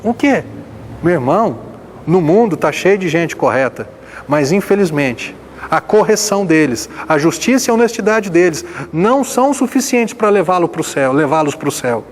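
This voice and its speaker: Male pastor, sermon, high-pitched, emphatic, rhetorical questions, faint background noise. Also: very animated, moderate pace. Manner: emphatic preaching with rhetorical questions, swinging between loud and hushed.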